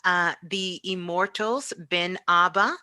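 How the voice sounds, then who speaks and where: Low-voiced woman, bright and reflective. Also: clear, resonant tone, no echo. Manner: halting, repeats words as she reflects. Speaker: radio show host. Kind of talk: casual reminiscing chat.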